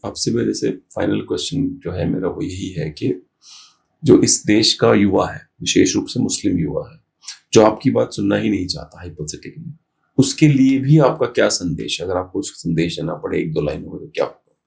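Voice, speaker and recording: A man hosting an interview podcast, asking long, carefully framed questions in a measured way. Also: sits low, lively intonation, vocal fry, a little mellow. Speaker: host.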